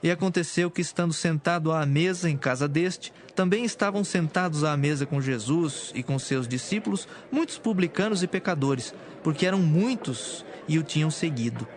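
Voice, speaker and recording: A man's voice: a little high, lively intonation, normal speed, hardly any pauses. A man narrating a dramatized audio Bible in a solemn, formal storytelling style.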